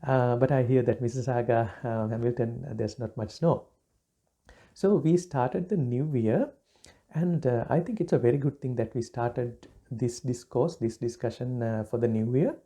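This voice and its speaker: A man from Sri Lanka, a Buddhist monk giving a relaxed dharma talk, pausing often with fillers and restarts. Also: medium pitch. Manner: halting, many fillers and restarts.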